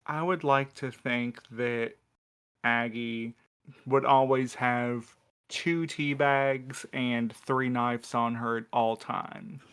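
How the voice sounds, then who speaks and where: A man in a casual podcast Q&A, answering in a measured, dryly humorous, slightly mock-formal way. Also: mid-range voice, fairly even intonation, fairly bright tone, clear, resonant tone. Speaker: podcast crew member answering questions.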